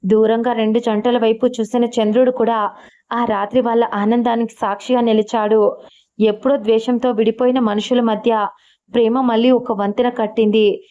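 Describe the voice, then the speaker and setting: Woman storyteller, mellow reading voice, muffled lo-fi sound. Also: a little high, little pitch movement, moderate pace. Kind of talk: scripted story narration.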